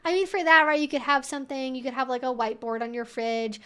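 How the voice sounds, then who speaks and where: A woman's voice: high voice, fast talker, sharp tone, clear, resonant tone. A woman hosting a casual Q&A, giving conversational advice in an informal, rambling way with frequent asides. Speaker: livestream host and relationship educator answering viewer questions.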